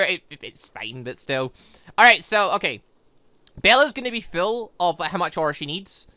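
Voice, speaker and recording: A man hosts a gaming video in a bright, forceful voice with very lively pitch swings. He rambles excitably and thinks out loud, and the sound is dry and close. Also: no echo. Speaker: gaming channel host. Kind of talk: casual gameplay commentary, reading visual novel dialogue aloud.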